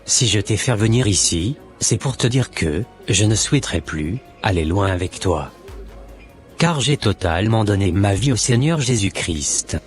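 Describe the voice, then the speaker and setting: A man's voice: lowish voice, lively intonation, moderate pace, soft background music, natural voice. A man playing an earnest, solemn born-again Christian with a preachy, formal manner in an amateur cartoon. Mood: firm, apologetic.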